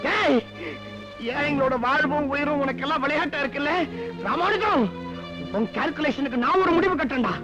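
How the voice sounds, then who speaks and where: An anguished, raging elder brother. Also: male voice, very high-pitched, normal speed, lo-fi sound. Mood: outraged. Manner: emotional and outraged. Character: anguished young man, protective elder brother. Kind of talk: 1980s Tamil film dialogue. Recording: film soundtrack with loud music behind.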